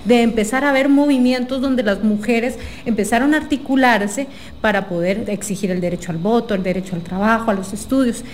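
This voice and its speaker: A woman, talking thoughtfully and softly as a guest in a casual interview. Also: on the high side, fairly quick, few pauses. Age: 30s.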